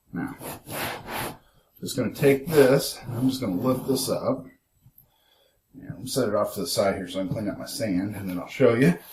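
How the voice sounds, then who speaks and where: Mumbling at a fairly quick pace, the speaker swings widely in loudness and leaves long, frequent pauses. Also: man, medium pitch for a man, ordinary pitch variation. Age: middle-aged. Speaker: hobbyist metal caster. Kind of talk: tutorial. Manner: casual, hesitant with fillers. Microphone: poor audio.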